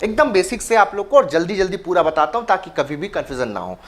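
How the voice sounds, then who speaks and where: A man's voice: high voice, big pitch swings, fast, a bit bright. A man from India teaching an exam-prep engineering lecture, switching freely between two languages and explaining with playful everyday examples. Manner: mixes Hindi and English freely.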